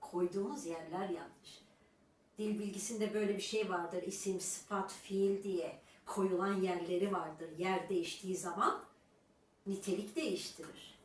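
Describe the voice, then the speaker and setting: A woman's voice: medium pitch, fairly even intonation, a little slow. Woman vlogger berating critics, scornful lecturer's tone, recorded a bit far from the mic in an echoey room with faint hiss. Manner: scornful, lecturing, with repeated rhetorical "Ha?". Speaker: YouTuber addressing her critics. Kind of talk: scolding monologue to viewers.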